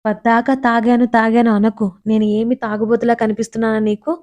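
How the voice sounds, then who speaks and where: A woman's voice: a little high, level tone, darkish tone, close to an everyday voice. A woman voicing a feisty, stubborn young heroine in a storybook reading, talking back defiantly. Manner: quick-tempered, defiant.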